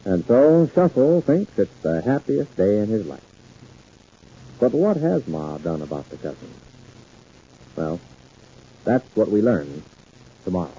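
A man's voice: lowish voice, very animated, a little slow, pauses often, mellow, breathy edge. A man working as an old radio announcer, reading scripted copy in a polished, emphatic sales manner. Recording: dull 1950s radio recording.

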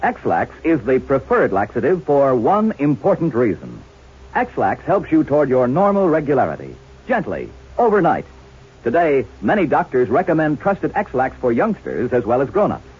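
A chipper male announcer sells in the manner of a 1950s radio ad. His husky voice swings with lively pitch. The sound is a muffled, vintage broadcast. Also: moderate pace. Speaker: commercial announcer.

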